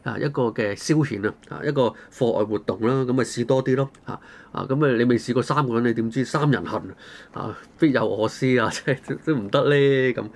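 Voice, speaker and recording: Man, Hong Kong Cantonese accent, medium pitch, casual discussion, colloquial, rhetorical questions, talk host. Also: a little fast, creaky. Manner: colloquial, poses rhetorical questions and everyday examples.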